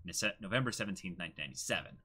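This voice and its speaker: A man's voice: sits low, rapid-fire, bright, forceful tone, husky. A man in his twenties chatting casually as co-host of a livestream. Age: 20s. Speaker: streamer and co-host. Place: small room, indoors.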